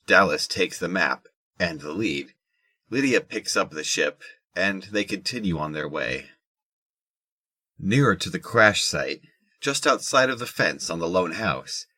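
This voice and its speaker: A man with a husky voice reading scripted narration for an audio drama. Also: deep voice, sharp tone.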